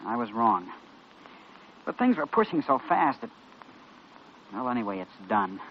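An actor playing an anxious, earnest young hospital intern in an old radio drama. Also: male voice, medium pitch, sing-song, unhurried. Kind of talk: 1950s radio drama acting. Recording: dull lo-fi old radio recording with faint hiss.

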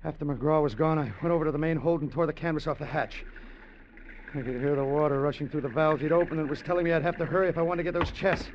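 A man's voice: on the high side, fairly even intonation, quick pace, background noise, natural voice. An actor playing a greedy, treacherous sailor in a 1940s radio drama, narrating his schemes and lurching into manic outbursts. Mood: haunted. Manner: tense, wild swings into manic shouting. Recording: dull lo-fi old radio broadcast with music.

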